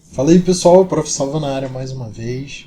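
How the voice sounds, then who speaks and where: A fairly high-pitched man with ordinary pitch variation, amid audible room echo and noticeable background noise. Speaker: math teacher. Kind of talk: lecture. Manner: casual.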